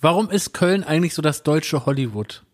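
A man's voice: fairly high pitch, lively intonation, fairly quick. A man co-hosting a casual chat, teasing and throwing in provocative questions. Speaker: co-host.

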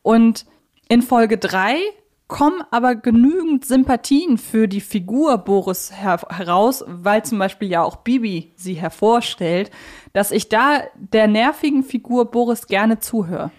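A woman's voice: a little high, lively intonation, unhurried, darkish tone. A woman co-hosting a talk podcast, reflecting aloud in a conversational, analytical way and explaining her view point by point. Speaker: podcast co-host.

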